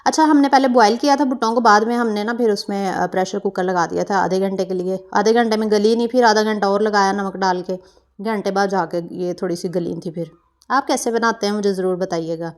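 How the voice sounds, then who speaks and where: A woman's voice: mid-range voice, steady tone, a little fast. Young Pakistani woman, mid-range voice, talking viewers through her cooking in a rambling way. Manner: chatty, meandering, with frequent fillers and self-corrections. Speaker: cooking vlogger. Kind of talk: casual vlog narration.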